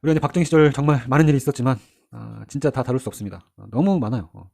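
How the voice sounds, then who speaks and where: Middle-aged male lecturer, mellow husky tone, brisk conversational exam-prep delivery. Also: medium pitch. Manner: chatty, asks the listener rhetorical questions, acts out quoted figures. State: sore throat. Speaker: history lecturer.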